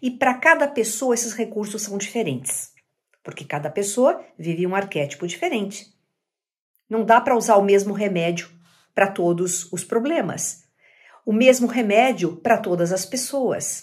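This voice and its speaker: Lively intonation marks this woman's somewhat breathy voice, pitched in the medium range. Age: 60s. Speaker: physician and archetype teacher. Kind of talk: online lecture. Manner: didactic, conversational.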